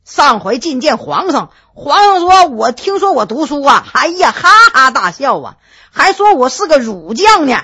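A woman playing a booming, boastful giant of a general. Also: big pitch swings, moderate pace, exaggerated voice. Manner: loud, laughing, blustering. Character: huge booming middle-aged Manchu general, hearty and boastful.

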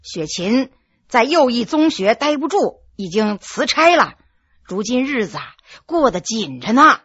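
A woman's voice: fairly high pitch, sing-song, measured pace, fairly bright tone, husky, no echo, muffled recording, heavily acted. A woman voicing a jovial teasing man. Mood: chatty. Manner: chatty and teasing. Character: male friend, jovial and teasing.

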